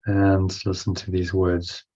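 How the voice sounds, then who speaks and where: A man with a low, very level voice leads a breathing meditation. He gives instructions in short phrases, pausing between them, and reads affirmations to be repeated. The recording sounds dull and lo-fi. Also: monotone, dark tone. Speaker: guided meditation teacher.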